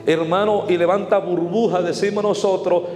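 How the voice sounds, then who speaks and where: A man's voice: high voice, fairly even intonation, moderate pace, darkish tone. A male evangelist giving an emphatic testimony sermon, repeatedly addressing his listeners as brothers. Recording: echoey hall with faint music.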